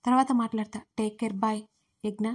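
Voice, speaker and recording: A woman reading the lines of a worried young man who speaks in a hurried, anxious way. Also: mid-range voice, little pitch movement, slightly rough, lightly acted.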